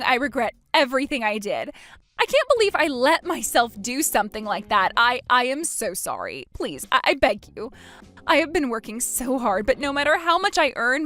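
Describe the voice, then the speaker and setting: Brief: woman voicing a frantic pleading sister-in-law, high-pitched, loud, storybook drama, faint music under. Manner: pleading, shrill, sobbing pleas.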